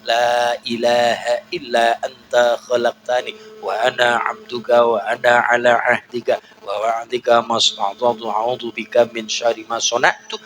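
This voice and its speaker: A man with a Javanese accent preaching a lively sermon, jumping to high calls and chanting prayers. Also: unhurried, faint music behind, poor audio. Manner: animated, swings into high shouts, chanted Arabic prayers.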